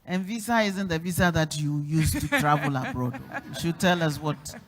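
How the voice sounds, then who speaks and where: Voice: mid-range voice, normal speed, slight background noise. Chatty minister moderating in an echoey hall. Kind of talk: moderating a panel.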